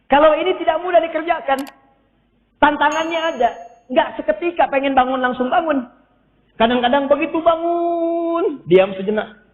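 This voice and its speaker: A lively male preacher delivers a humorous sermon with a high voice. He sounds tinny, as if over a phone line, and his words echo through a big hall. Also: moderate pace. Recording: tinny echoey hall recording.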